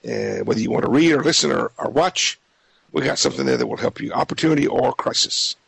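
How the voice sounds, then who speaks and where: A man with a raspy voice hosting a casual radio talk show in a folksy way, often stumbling over and repeating words. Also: medium pitch, big pitch swings, fast, a bit bright, no echo.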